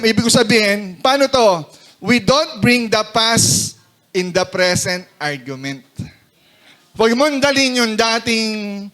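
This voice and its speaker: A man's voice: high voice, a bit bright. A man with a Filipino accent preaching a sermon. He mixes Tagalog and English and keeps checking in with the congregation. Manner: preaching in Tagalog mixed with English, asking the crowd "di ba?". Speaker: pastor.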